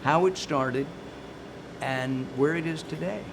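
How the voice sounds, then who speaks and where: Male host, friendly and teasing, halting delivery, noisy recording. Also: a little high, vocal fry. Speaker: program host, interviewer. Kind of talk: hosted interview.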